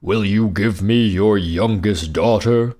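A man voicing a great white bear from a storybook, courteous and solemn, speaking slowly and formally. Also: fairly low pitch, mellow, pitched below the performer's own voice. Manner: slow, grave, formal speech. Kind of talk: storybook character voice.

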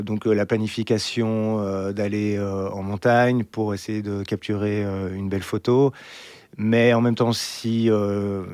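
A man from Belgium in his thirties, a mountain photographer talking in a relaxed podcast interview, hesitant with many fillers and restarts. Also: fairly low pitch, no echo.

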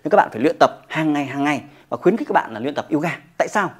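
Yoga trainer; motivational to-camera talk, fast delivery, emphatic. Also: mid-range voice, expressive, breathy edge. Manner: emphatic, with frequent rhetorical check-ins.

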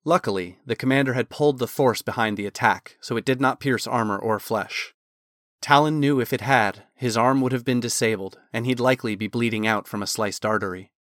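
Guy reading a fantasy book out loud, calm even pace, mid-pitched, dry close sound. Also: brisk, no echo. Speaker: narrator. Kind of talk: scripted fantasy narration.

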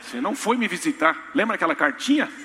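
A man's voice: high voice, expressive, fast, bright, forceful tone, a little hiss or hum, pitched above the performer's own voice. A man voicing a small child who whines reproachfully during a sermon. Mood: whiny. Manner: whiny, accusing, giggly. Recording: reverberant church hall.

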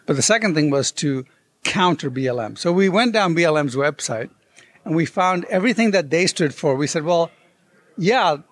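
A man's voice: fairly high pitch, moderate pace, no room sound. A man as an interview guest, telling a story and acting out the quoted voices. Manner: animated, acts out quoted dialogue. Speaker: guest author. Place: convention.

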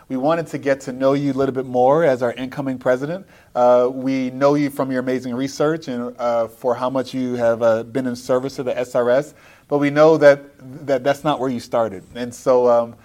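A man's voice: mid-range voice, darkish tone. A man hosts a podcast interview live at a conference, speaking in an ordinary mid-range voice. He sounds eager and fills his questions with ums and uhs. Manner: eager, with frequent filler words. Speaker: podcast host.

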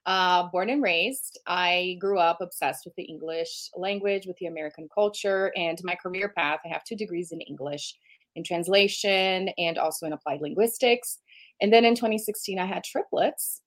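A woman's voice: fairly low pitch, moderate pace. A woman from Brazil, a business coach and podcast guest, who talks eagerly and at length. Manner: eager, talkative, laughs often. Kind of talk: conversational interview.

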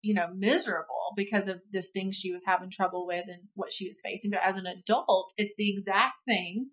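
A woman's voice: medium pitch, steady tone, a little fast, fairly bright tone, low-quality recording. Supportive, reflective woman podcast co-host. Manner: supportive, reflective, finishes her partner's thoughts. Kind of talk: casual chat.

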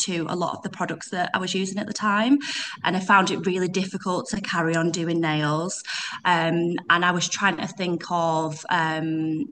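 A woman's voice: fairly low pitch, a bit bright. A young woman with a broad Yorkshire accent talks through her story in easy, rambling chat, stopping for ums and starting sentences over. She sits as a guest on a podcast, with faint noise behind her voice. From West Yorkshire, England. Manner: chatty, many ums and restarts. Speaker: podcast guest, brand founder. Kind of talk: casual chat.

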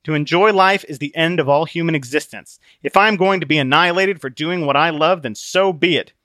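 A man's voice: on the high side, fairly quick, bright, forceful tone, dry recording, pitched above the performer's own voice. A man voicing a brutish, pleasure-seeking armored bully who talks in a mocking, smug way.

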